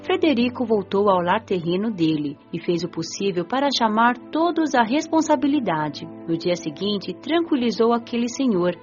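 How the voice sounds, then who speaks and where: A gentle young woman spirit narrates a Brazilian radio play, voiced by an actress. Her mid-pitched voice moves with lively, expressive storytelling. The recording is a bit muffled, over background music. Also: moderate pace, few pauses, lightly acted. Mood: earnest, recounting. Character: curious, gentle nineteen-year-old girl spirit narrating her afterlife. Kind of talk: scripted first-person audiobook drama narration. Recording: dull lo-fi audio, music behind.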